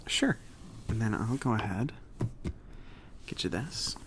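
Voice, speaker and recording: A man playing a friendly, slightly awkward mage shopkeeper in a soft-spoken, hesitant, casual ASMR roleplay. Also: fairly low pitch, sing-song, slow pace, background noise. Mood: accommodating, rambling. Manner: hesitant, rambling, accommodating. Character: friendly, slightly awkward male mage running a magic shop.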